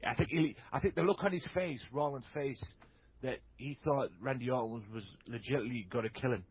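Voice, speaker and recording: Husky guy on a wrestling podcast, gets excited n trips over words, muffled lo-fi audio. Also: medium pitch, fairly quick. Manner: excitable, stammers on restarts. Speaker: podcast guest. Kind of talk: casual wrestling chat.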